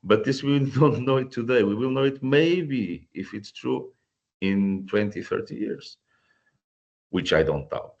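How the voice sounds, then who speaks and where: A man's voice: medium pitch, animated, a little slow, darkish tone. A man from Portugal with a Portuguese accent speaking English as a guest on an online panel, earnest and often restarting or repeating words. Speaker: guest volunteer. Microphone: video call. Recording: dull lo-fi video call audio.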